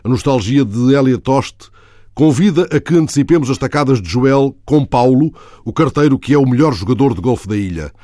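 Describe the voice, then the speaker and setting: A man giving scripted, literary narration for a documentary, measured and reading out book passages. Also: mid-range voice, animated, dark tone, no echo, clean studio sound. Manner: measured, reads quotes from a book.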